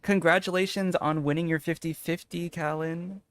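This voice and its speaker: A man's voice: fairly high pitch, fairly even intonation, moderate pace, a bit bright, clean tone. A man live streaming a video game, chatting casually and rambling as he thinks aloud. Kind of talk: casual gaming stream chat.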